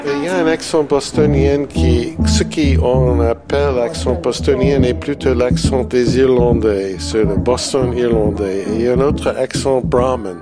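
A man's voice: mid-range voice, a little slow, hardly any pauses. A man chatting casually in an interview, explaining things with little spoken examples. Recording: loud music underneath. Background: music.

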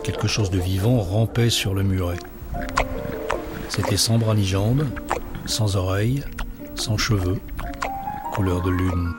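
A man's voice: low voice, slow pace, pauses often. Man narrating a children's story over music.

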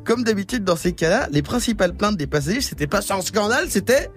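A man with a high, bouncing voice delivers a comic radio news column, swinging his pitch all over as he jokes and chuckles at his own lines. Music plays under him in the studio. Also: fast. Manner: jokey, laughing at his own gags, animated.

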